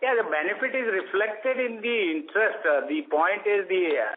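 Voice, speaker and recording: A man explains finances steadily, with the occasional filler. His voice is a little high for a man. It comes through a narrow phone line with a light hiss. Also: lively intonation, normal speed. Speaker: finance executive. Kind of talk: earnings call answers.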